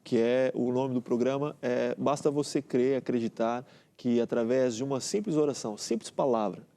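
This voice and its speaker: A man's voice: mid-range voice, fairly even intonation, moderate pace, warm tone. A man with a Brazilian Portuguese accent, a pastor co-hosting a religious TV show in a chatty way, often tagging his sentences with a question. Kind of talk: casual co-host chat.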